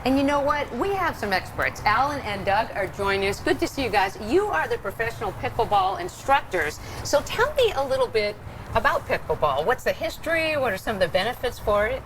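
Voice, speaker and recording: A woman's voice: on the high side, very animated, fairly quick, noisy background. A woman hosting an upbeat live TV interview, chatty and encouraging with her guests. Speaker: TV lifestyle show host. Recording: music playing behind the voice. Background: background music.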